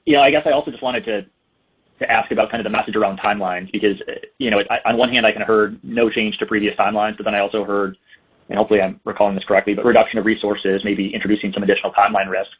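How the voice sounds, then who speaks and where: A man's voice: lowish voice, fairly even intonation, very fast, husky. A man asking questions as an analyst on an earnings call, polite and tentative in his phrasing. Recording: phone-like conference call line.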